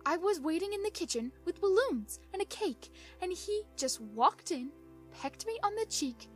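A woman's voice: very high-pitched, sing-song, moderate pace, faint music behind. A woman playing a hurt, exasperated young mare pony wife, confiding dramatically in a fan fiction monologue. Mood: hurt, indignant.

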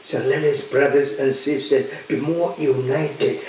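Older male priest, slow emphatic homily, very echoey church, lectern mic. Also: mid-range voice, steady tone, slight background noise. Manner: slow, emphatic preaching, pausing for the interpreter. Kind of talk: homily with interpretation. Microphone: lectern microphone.

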